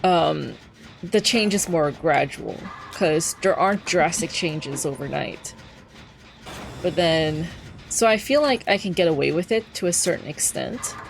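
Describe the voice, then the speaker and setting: A man's voice: on the high side, lively intonation, unhurried, creaky, soft background music. A young trans man streaming a game from home, chatting casually with lots of fillers and wry asides. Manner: rambling, many fillers, wry. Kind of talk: casual gameplay chat.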